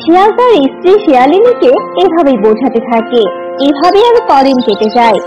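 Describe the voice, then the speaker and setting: Very high-voiced woman narrating a fable. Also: big pitch swings, brisk, lo-fi sound, music in the background. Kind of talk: scripted storybook narration for a cartoon.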